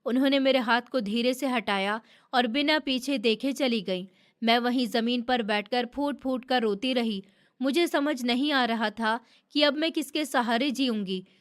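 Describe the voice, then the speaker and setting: A woman narrating a first-person story in a somber, steady storytelling manner. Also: a little high, measured pace.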